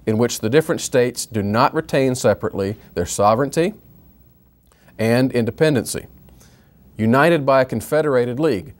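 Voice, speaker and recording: A man giving a history lecture in a measured way, reading out period quotations with rhetorical emphasis and a few restarts. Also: medium pitch.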